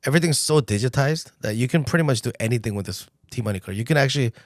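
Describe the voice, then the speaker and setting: A man with a mid-pitched voice hosts a casual podcast chat, animated when telling a story. The recording is dry and close, with no room echo. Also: fast. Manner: animated storytelling, frequent ums. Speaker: podcast host.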